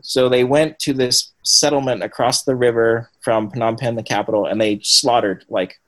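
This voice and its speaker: Thoughtful young man, halting speech. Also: medium pitch, fairly even intonation, low-quality recording. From Washington State and Cambodia. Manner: thoughtful, many ums and restarts. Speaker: guest. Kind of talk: conversational interview.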